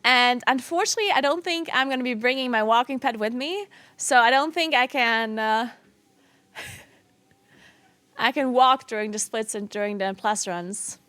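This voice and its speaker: A woman's voice: fairly high pitch, unhurried, pushed and bright, clear, resonant tone, dry recording. A woman from South Tyrol with a South Tyrolean accent in her English, chatting casually and in a giggly way as a livestreamer. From South Tyrol, Italy. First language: not English. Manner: giggly, laughs often while talking. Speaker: game streamer and esports caster.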